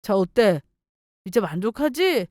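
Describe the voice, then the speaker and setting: Woman as smug young boyfriend, stingy, condescending, lively swooping pitch, dry close recording, story drama. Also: a little slow, no echo. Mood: smug, exasperated.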